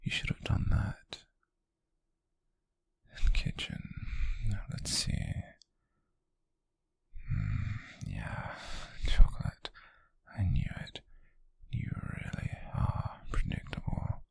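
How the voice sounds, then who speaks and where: Whispering slowly and breathily right against the microphone, a British man plays a possessive, obsessive male stalker for ASMR, his raspy tone both teasing and sinister. He has a bass voice with huge pitch swings and acts it heavily, the mood one of teasing menace.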